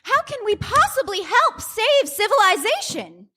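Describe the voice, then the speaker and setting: A woman playing an excitable, naive 1960s housewife and mother in a staged radio play parody, theatrical and melodramatic. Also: very high voice, measured pace, heavily acted. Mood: dramatic disbelief. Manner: theatrical, breathless exclamations and gasps.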